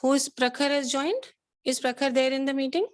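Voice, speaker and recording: A woman's voice: high-pitched, a little fast, dry recording, studio quality. A woman with a South Asian accent teaching an online class, questioning pupils in a stern, insistent way. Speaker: schoolteacher.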